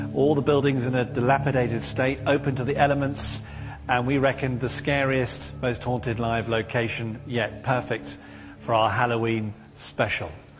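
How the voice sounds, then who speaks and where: Speaking at a moderate pace, a man varies his pitch in an ordinary way while noticeable noise sits in the background. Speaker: studio TV presenter. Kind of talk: live TV presenting. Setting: studio. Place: studio. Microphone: handheld.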